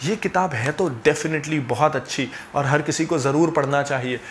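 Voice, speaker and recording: A man's voice: on the high side, slight background noise. A young man hosting a finance channel, explaining steadily and earnestly to camera from a small home office on a lapel mic. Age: young adult. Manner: earnest, steady, gestures with hands while explaining. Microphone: clip-on lapel mic.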